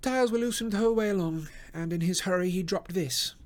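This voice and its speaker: Guy doing a bossy victorian detective, higher voice, crisp and quick to give orders, audiobook style. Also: close to an everyday voice. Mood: brisk. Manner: crisp, directive, instructing. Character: brisk commanding Victorian male detective. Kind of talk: audiobook character voice.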